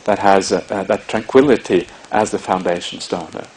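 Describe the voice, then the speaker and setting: A man with a Norwegian accent giving a measured, explanatory Buddhist dharma talk, with frequent hesitations. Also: sits low, steady tone, darkish tone. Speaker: Buddhist monk teacher.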